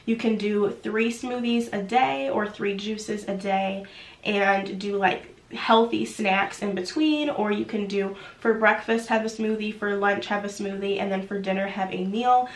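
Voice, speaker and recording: A young woman chats to her camera in a loose, rambling way, sprinkling "like" through every sentence. She sounds stuffed up and nasal from being sick. Her voice sits at an ordinary middle pitch and bounces off the walls of an echoey room. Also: a little slow. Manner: chatty, filler-heavy with frequent "like". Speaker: YouTube vlogger. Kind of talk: chatty vlog talk.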